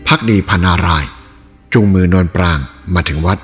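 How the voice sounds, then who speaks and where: A man narrating a novel aloud in an expressive storytelling read. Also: low-pitched, normal speed. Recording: reverberant room with faint music.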